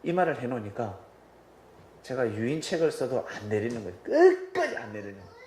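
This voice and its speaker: A man's voice: mid-range voice, a little fast, a little hiss or hum. A male pastor preaching a sermon in a church, telling stories animatedly and acting out voices. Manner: animated storytelling, acts out quoted voices. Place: church sanctuary. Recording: roomy hall with faint ambience.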